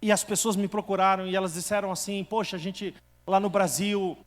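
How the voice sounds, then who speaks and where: A man's voice: sits high, steady tone, fairly quick, in a large hall. A man preaching a sermon as pastor, telling a story and challenging the congregation to answer and respond.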